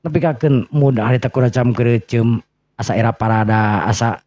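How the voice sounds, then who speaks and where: A man's voice: mid-range voice, a little fast, darkish tone, dry recording. A man with a Sundanese accent telling a story in a dramatic bedtime-tale style. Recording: muffled, lo-fi recording.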